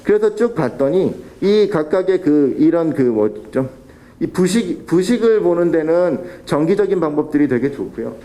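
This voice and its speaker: A man's voice: a little high, very animated, moderate pace, mellow. A man presenting at a policy forum, explaining technical methods with fillers and restarts. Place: council hall.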